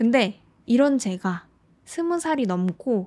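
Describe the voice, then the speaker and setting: Very slowly and with very wide pitch swings, a woman speaks in a dark, mellow tone on a very clean recording with a silent background. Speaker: podcast host teaching Korean. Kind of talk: solo podcast monologue for language learners. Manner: clear, measured pace with rephrasing for learners.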